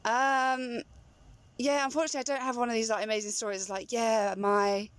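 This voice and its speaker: A woman's voice: a little high, flat delivery, fairly quick. A young woman, a fashion label founder, talking as a guest in a casual chat with many ums and likes. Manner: chatty, laughs often, many ums and likes. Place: inside a car. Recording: road noise inside a car.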